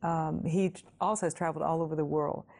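A woman's voice: sits low, steady tone, darkish tone. Woman telling a story. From Cuba. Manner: unhurried anecdotal storytelling. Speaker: guest singer. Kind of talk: TV interview.

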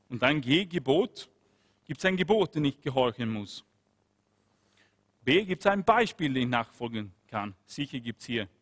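A man's voice: medium pitch, a bit bright. Man teaching the Bible in a reverberant hall. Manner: earnest, repeats phrases, asks rhetorical questions. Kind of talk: sermon-style Bible teaching.

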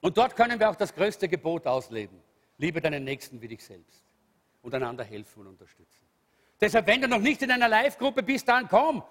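A man preaches an emphatic sermon. His voice sits high and swings widely in pitch. It rings out in a reverberant church hall. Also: brisk. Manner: lively, emphatic preaching with calls of hallelujah. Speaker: pastor.

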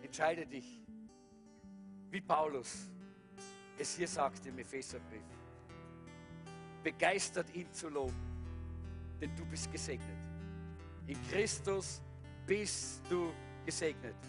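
High-pitched male pastor, fervent sermon and prayer, quiet guitar underneath. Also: slow, long pauses. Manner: fervent, with repeated hallelujahs.

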